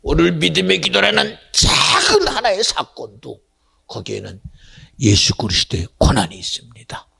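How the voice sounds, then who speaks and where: A male pastor preaching a sermon with great drama, dropping to whispers and rising to shouts. His voice is high, bright and sharp. It has a husky, raspy texture. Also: huge pitch swings, normal speed.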